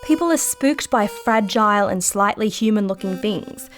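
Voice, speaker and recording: A woman's voice: mid-range voice, animated, normal speed, faint music behind, lightly acted. A woman playing a curious, wry podcast host in a conversational, naturalistic audio drama style. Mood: measured, wry.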